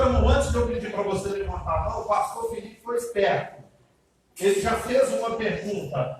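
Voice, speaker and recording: High-voiced pastor in an echoey hall. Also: male voice. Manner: chatty, addresses the congregation directly with frequent tag questions. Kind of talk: sermon, question and answer service. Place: church hall. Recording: very echoey church hall, heard from a distance with faint noise.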